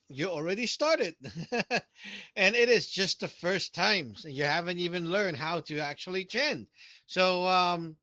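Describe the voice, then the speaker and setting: High, bright male voice, slow and unhurried, dry and muffled call sound, leader of the net. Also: no room sound. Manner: unhurried, thinking aloud. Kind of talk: leading a group call.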